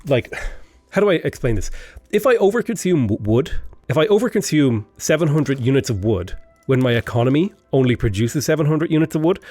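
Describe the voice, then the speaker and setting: A man's voice: mid-range voice, a little mellow, dry recording. A man with a stuffy, slightly unwell voice, chatting casually and explaining a strategy game step by step, thinking aloud as he goes. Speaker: game tutorial host. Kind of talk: casual gameplay commentary.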